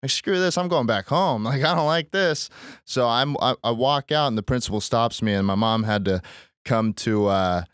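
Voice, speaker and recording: A man's voice: mid-range voice, moderate pace, a bit bright, clear, resonant tone, no room sound. An American man in his twenties, born in Estonia, telling his story casually as a podcast guest on a close microphone. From born in Estonia, raised in the US Pacific Northwest from age six. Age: 20s.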